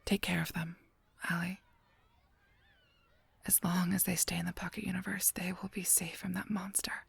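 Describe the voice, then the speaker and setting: An actor playing a solemn, protective guardian angel in an audio drama, speaking gravely and formally with a husky voice. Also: mid-range voice, flat delivery, a bit bright, dry recording, full character voice. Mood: gentle, earnest. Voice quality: husky, breathy, creaky voice. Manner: grave, measured, formal speech. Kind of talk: scripted audio roleplay acting.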